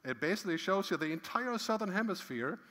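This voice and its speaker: A man's voice: high-pitched, quick pace. Chatty keynote man in a big hall. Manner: conversational, frequent "right?" tags, lively emphatic swings. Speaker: keynote speaker. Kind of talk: conference keynote talk. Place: large conference hall stage. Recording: long hall reverb.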